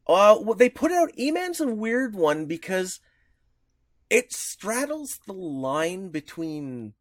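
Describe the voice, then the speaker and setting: A man's voice: sits high, big pitch swings, slow, dry recording, studio quality. A man co-hosting a podcast, explaining comics history in a rambling, enthusiastic way with many restarts. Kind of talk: casual podcast chat.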